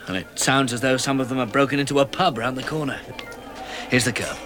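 An actor playing a level-headed, kindly man with an English accent in a 1960s radio drama, brisk, articulate and reassuring. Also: medium pitch, fairly even intonation, music in the background, close to an everyday voice. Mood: calm. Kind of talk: 1960s British radio drama acting and narration. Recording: old radio recording, faint noise.

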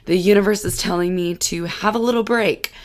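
A young woman hosting her own podcast as a lifestyle coach, hoarse from losing her voice, chatting warmly and encouraging listeners directly. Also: on the low side, fairly quick. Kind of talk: solo podcast monologue. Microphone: studio podcast mic.

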